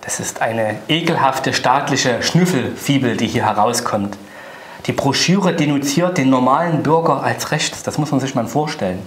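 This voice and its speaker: A middle-aged man presents politics to camera as a party spokesman. His delivery is emphatic and indignant, at an average pitch. The room adds a clear echo. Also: moderate pace.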